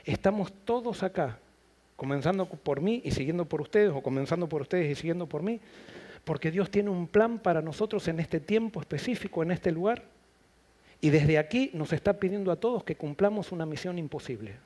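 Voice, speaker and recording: High-voiced man preaching a sermon. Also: animated. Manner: emphatic rising preaching cadence, repeating phrases; quieter, reflective and slow in the closing appeal.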